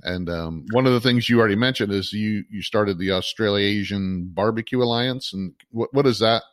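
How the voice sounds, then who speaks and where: A man hosting a podcast, with a voice a bit lower than most. He welcomes and questions his guest in a friendly, upbeat, plainspoken way. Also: normal speed. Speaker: podcast host.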